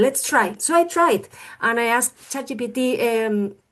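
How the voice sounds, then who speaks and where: Over a quiet background, a woman with a Spanish accent speaks fairly slowly at a high pitch. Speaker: journalist. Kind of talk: presentation. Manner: halting.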